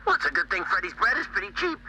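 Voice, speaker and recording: A man voicing an excitable, scolding mascot character in an old-style cartoon commercial skit. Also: high voice, quick pace, background noise. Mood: chipper.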